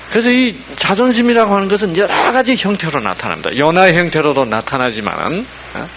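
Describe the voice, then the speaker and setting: A man's voice: on the high side, a little hiss or hum, rough recording. A man preaching a sermon, constantly asking the congregation questions and answering them himself. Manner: animated, asks listeners rhetorical questions constantly. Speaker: pastor. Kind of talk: sermon with call-and-response questions.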